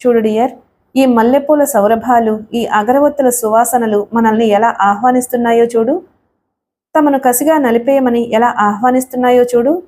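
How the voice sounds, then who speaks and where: A woman's voice: on the high side, steady tone, normal speed, mellow, natural voice. Woman reading a sneering, arrogant villain man, audio story. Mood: taunting. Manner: taunting, sneering. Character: menacing young male villain, lustful and arrogant.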